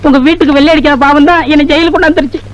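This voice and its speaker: An actor playing a cheeky male prisoner who whitewashes houses, talking in a flattering, wheedling way in a film comedy. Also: very high voice, very fast, highs cut off.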